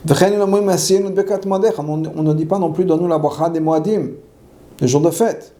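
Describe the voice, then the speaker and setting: A man's voice: on the high side, a little fast, dark tone. A man teaching a class on Jewish law, reading Hebrew passages and explaining each one in French, often repeating himself and asking questions he then answers. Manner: repeats phrases while explaining.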